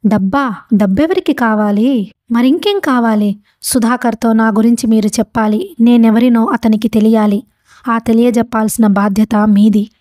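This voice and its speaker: Young man, angry, accusing, voiced by a woman, mellow tone. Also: a little high, normal speed, lightly acted. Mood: insistent.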